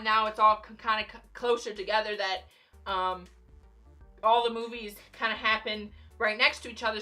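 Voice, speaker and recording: A young woman vlogging casually about films, rambling with many fillers and a voice going a little hoarse. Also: a little high. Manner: rambling, animated fangirl talk with frequent fillers and laughs. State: losing her voice, slightly hoarse. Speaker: YouTuber. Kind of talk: casual vlog commentary.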